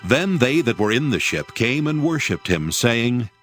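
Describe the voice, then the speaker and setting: A man's voice: medium pitch, big pitch swings, a little slow, fairly bright tone, faint music behind. A man narrating scripture in a dramatic, scripted audiobook style.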